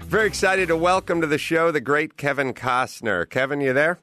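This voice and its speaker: A man hosting a podcast, chatting casually and rambling through animated stories. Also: a little high, a little fast, soft background music. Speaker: podcast host. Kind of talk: casual chat.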